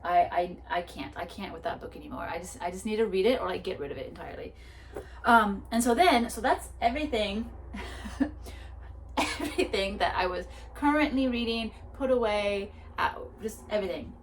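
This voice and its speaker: A woman's voice: medium pitch, normal speed, far from the mic, slight background noise. A woman book vlogger chatting casually about her reading plans, self-mocking, with frequent restarts and laughter. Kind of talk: casual chat.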